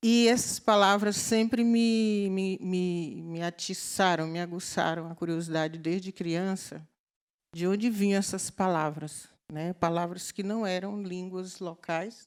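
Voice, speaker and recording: A woman's unremarkable speaking voice, fairly slow and fairly even in intonation, on a very clean recording with a silent background. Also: medium pitch for a woman. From Maranhão, Brazil (quilombola community near Bacabal). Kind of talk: panel discussion talk. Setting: theatre stage with audience.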